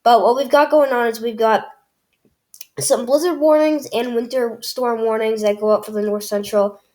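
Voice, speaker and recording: A woman's voice: on the high side, fairly even intonation, moderate pace, warm tone. A young woman talks viewers through a weather forecast in a loose, chatty way. She has a cold and her talk is full of fillers and restarts. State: has a cold, clears throat. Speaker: weather channel host. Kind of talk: casual forecast walkthrough.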